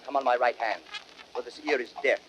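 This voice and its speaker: An actor playing a proud, suspicious, imperious Roman ruler with commanding, pompous Shakespearean delivery. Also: male voice, mid-range voice, steady tone, a little fast, lightly acted. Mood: haughty, wary. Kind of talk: classical Shakespearean radio drama acting. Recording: noisy vintage spoken-word drama record.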